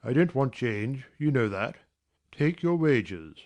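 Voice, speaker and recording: A man voicing a brusque, teasing, middle-aged gentleman employer in a dramatized reading of a classic novel. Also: mid-range voice, very animated, slow pace. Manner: gruff, teasing, commanding.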